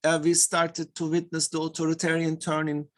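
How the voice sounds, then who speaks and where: A man's voice: on the high side, completely flat delivery, moderate pace, a bit bright. Hesitant man presenting. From Turkey. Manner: hesitant, many fillers and repeated words. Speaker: academic panelist. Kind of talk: conference presentation.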